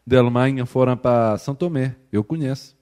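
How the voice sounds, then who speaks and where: Non-native man with a European Portuguese accent, halting and searching for words, casual interview guest. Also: mid-range voice, darkish tone. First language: not Portuguese. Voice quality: hesitant, with frequent restarts and filler checks. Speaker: missionary guest.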